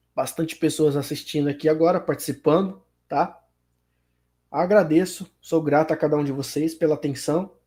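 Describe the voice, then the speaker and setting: A man's dark, mellow tone, monotone and flat, on a very clean recording with a silent background. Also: moderate pace. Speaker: YouTube religion commentator. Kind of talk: live stream talk. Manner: casual, filler-heavy.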